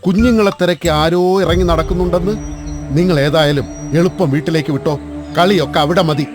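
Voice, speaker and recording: A man's voice: a little high, fairly even intonation, a little fast, over music, lightly acted. A man as a fussy, scolding cartoon uncle. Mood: stern, concerned. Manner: scolding, avuncular. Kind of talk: children's cartoon voice acting.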